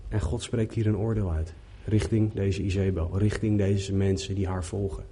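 A man's voice: sits low, steady tone, normal speed, warm tone, breathy edge. A man preaching a sermon in an earnest, emphatic way, often repeating phrases for weight.

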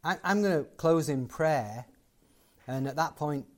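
A man's voice: fairly high pitch, unhurried, darkish tone. A man giving a closing sermon and prayer to a live gathering, conversational and building to emphatic points. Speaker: guest preacher.

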